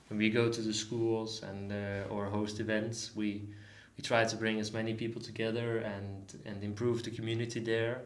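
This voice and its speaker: Low-voiced young man, echoey. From Denmark. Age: 20s. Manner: rambling with "uh" and "like", restarts. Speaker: volunteer guest. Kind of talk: casual podcast chat. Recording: echoey room.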